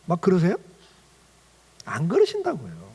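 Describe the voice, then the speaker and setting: A man's voice: high voice, huge pitch swings, normal speed, mellow, husky. A male pastor preaching a Sunday sermon in a church, asking the congregation rhetorical questions as he goes. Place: church sanctuary.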